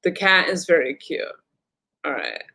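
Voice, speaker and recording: A woman's voice: low voice, huge pitch swings, a little slow, gravelly, background noise. A woman giving a casual livestream energy update as a spiritual channeler. She rambles and swears bluntly while reading viewer comments. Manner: reads viewer comments aloud.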